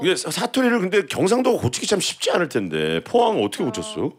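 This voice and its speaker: A man's voice: high voice, huge pitch swings, fast. A man co-hosting a radio show, playful and exclamatory as he introduces the guests. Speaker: radio co-host. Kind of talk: casual radio chat. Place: radio studio.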